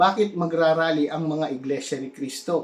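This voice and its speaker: His voice is high in pitch with ordinary pitch variation. The man speaks at a fairly slow pace. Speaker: vlogger. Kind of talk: vlog commentary; earnest, polite talk about an upcoming church rally, not a rally speech. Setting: online video, solo. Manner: polite, formal, repeats 'po'; halting, with fillers and repeated phrases.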